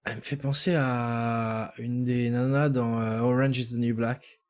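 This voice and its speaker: A man's voice: medium pitch, flat delivery, unhurried, darkish tone, clean tone. A man streaming a game live, chatting casually, reacting aloud and swearing freely as he plays. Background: game music.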